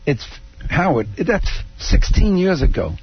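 A man's voice: fairly high pitch, sing-song, unhurried, breathy edge, no room sound. A middle-aged man, a guest comedian, chatting on a radio show in a rambling, stammering way, often repeating himself. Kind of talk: casual radio chat. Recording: dull lo-fi radio audio.

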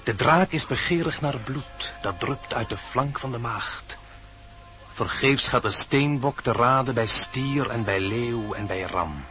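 A man's voice: medium pitch, a little slow, bright, forceful tone. A man playing a grave astrological seer in a radio play, reciting in a solemn, incantatory manner. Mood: ominous. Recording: dull old radio recording, faint music.

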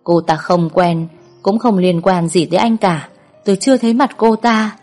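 A woman's voice: medium pitch, normal speed, darkish tone, faint music behind, natural voice. A woman voicing a frightened young man who pleads desperately, in a storybook reading. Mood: pleading. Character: terrified young man begging for his life.

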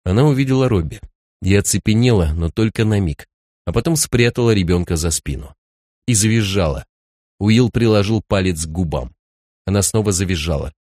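Brief: male thriller narrator, low and measured, close dry studio sound. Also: expressive, darkish tone, dry recording. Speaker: audiobook narrator. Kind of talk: scripted narration.

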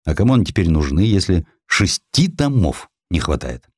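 A man narrating a historical literary sketch in an expressive, theatrical storytelling manner. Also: low-pitched, normal speed, breathy edge, no echo, studio quality. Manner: theatrical, acts out dialogue. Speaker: audiobook narrator.

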